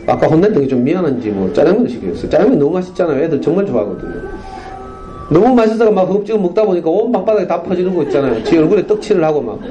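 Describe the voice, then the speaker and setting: 경상도 억양의 중년 남성이 학교 강당에서 학부모들에게 청중에게 질문을 던지며 생생하게 이야기를 풀어내는 강연을 합니다. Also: male voice, fairly high pitch, lo-fi sound, slight background noise. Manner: animated storytelling, rhetorical questions to the audience. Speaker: parenting lecturer. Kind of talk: lively lecture to parents. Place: school lecture hall.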